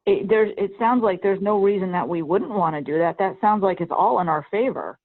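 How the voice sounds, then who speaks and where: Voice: mid-range voice, fairly quick. A committee chair leading a meeting discussion, speaking hesitantly, repeating "okay" and asking questions. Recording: tinny phone-like line.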